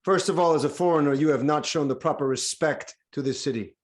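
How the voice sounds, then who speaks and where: A man's voice: a little high, fairly quick, lightly acted. An actor playing a proud, commanding king in a Greek tragedy reading, speaking with stern, declamatory authority. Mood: stern challenge. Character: proud, commanding king defending suppliants of his city. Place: online video-call reading.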